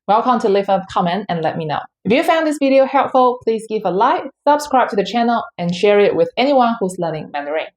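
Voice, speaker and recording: A woman's voice: medium pitch, lively intonation. Woman teaching Mandarin pronunciation. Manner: careful, deliberate, demonstrates sounds slowly; non-native English with grammar slips. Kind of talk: scripted online lesson.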